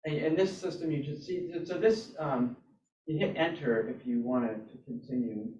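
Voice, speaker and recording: A man giving a casual live demo at a club meetup, halting and thinking aloud as he goes. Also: mid-range voice, darkish tone. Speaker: presenter at a robotics club meetup. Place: indoor hybrid club meeting, away from mic. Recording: roomy, distant, dull meeting-room sound.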